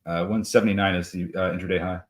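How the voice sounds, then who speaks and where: Deep voiced dude on a trading stream, lots of uh and restarts while he calls targets. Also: fairly even intonation. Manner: halting, full of uh fillers and restarts. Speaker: trading show co-host. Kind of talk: live market commentary.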